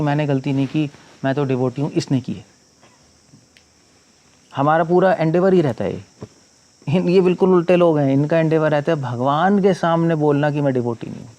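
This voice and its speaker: A monk gives a scripture discourse, slowly reciting verses and then explaining them conversationally, mixing in English phrases. His male voice is a little high with a dark tone.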